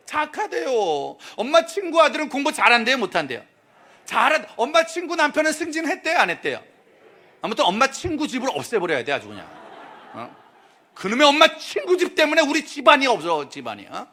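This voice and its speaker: A middle-aged male pastor preaching a lively, humorous sermon in a church, teasing and questioning the crowd. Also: very high-pitched. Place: church sanctuary.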